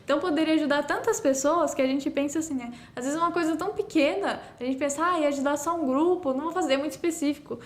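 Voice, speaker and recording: A woman's voice: high-pitched, quick pace, few pauses. A woman, a sign language teacher and podcast guest, explaining things with everyday examples and a frequent "né?". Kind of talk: casual podcast conversation.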